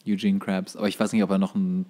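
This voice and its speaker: A man with a fairly low voice chats as a podcast co-host. He explains trivia in an informal, conversational way. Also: little pitch movement, quick pace, warm tone. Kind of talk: casual chat, explaining trivia.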